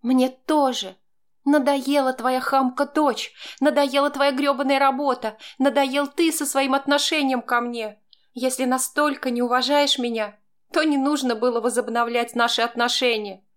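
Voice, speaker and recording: A woman voicing a defiant, tearful young woman who shouts back in an audiobook. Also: steady tone, moderate pace, close to an everyday voice. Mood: indignant. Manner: shrill, shouting through tears. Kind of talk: audiobook character voice.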